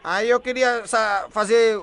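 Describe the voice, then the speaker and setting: A man's voice: high-pitched, fairly even intonation, takes it slowly, fairly bright tone, smooth, soft background music. A man hosting a radio prank call, teasing and needling the person on the line by repeating the same phrase again and again.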